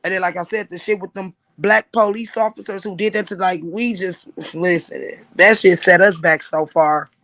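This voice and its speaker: High-voiced man ranting on a livestream. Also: fairly even intonation, moderate pace, few pauses, bright, forceful tone. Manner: emphatic, profane, repeats "like I said". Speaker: livestream host. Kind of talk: casual livestream talk.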